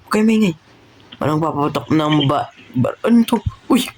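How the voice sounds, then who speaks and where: An excited host in a game role-play who barks quick commands and repeats words. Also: medium pitch, noisy background. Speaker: gamer host.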